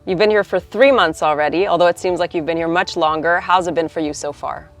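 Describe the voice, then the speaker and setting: Low-pitched woman news interviewer. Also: quick pace, faint music behind. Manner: poised, scripted introduction then direct questions.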